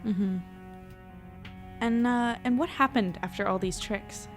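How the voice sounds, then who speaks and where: A woman's voice: on the high side, slow pace, faint music behind. A woman playing an earnest, anxious female reporter in an audio drama, conversational, tentative and a little self-deprecating. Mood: gently questioning. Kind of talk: naturalistic audio drama acting and narration.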